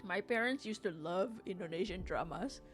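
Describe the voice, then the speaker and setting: A woman's voice: mid-range voice, lively intonation, moderate pace. Chatty woman streamer rambling over faint music. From Singapore. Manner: chatty, rambling, reads chat aloud, frequent restarts and laughs. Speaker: livestream artist host. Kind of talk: casual live-stream chat while drawing.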